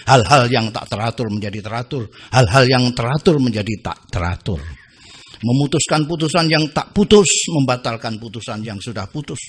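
A man reciting satirical poems with a dramatic, measured delivery. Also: mid-range voice, a little hiss or hum. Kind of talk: poetry recitation.

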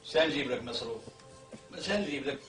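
Fast excitable Algerian man. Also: mid-range voice. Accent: Algerian Arabic. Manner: quarrelsome, excitable, protesting. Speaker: comedic actor. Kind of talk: comedy sketch acting. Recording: echoey room, distant mic, music.

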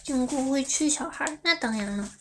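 A woman's voice: sits high, fairly quick, slight background noise. A young woman from China chatting playfully with fans on a livestream, reading their comments aloud and stumbling over English words. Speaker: idol livestream host. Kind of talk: casual livestream chat with fans.

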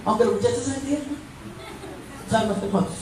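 A woman preacher delivering an emphatic, humorous sermon, swinging between hushed asides and shouts. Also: fairly high pitch, brisk. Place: church with congregation. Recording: echoey hall, distant mic. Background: congregation laughter and noise.

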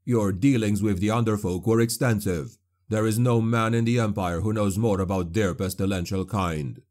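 A man voicing a grim male witch hunter who speaks in a cold, venomous, measured way. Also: fairly low pitch, darkish tone, close to an everyday voice. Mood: stern.

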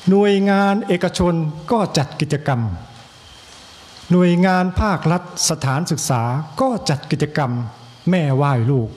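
A monk with an Isan accent giving an evening sermon, slow and measured, with pauses and repetition and a joke now and then for the listeners. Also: male voice, on the high side, animated, darkish tone. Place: temple hall.

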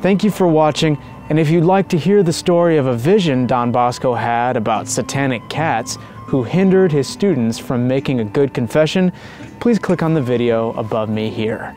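A man narrating a devotional story in an earnest, measured way as the host of his channel. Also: medium pitch, expressive, a little mellow, soft background music.

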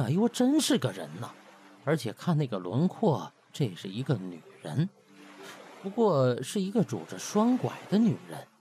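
A man's voice: medium pitch, mellow, a little hiss or hum. A man narrating a comic audiobook in a colloquial, theatrical storytelling manner. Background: music.

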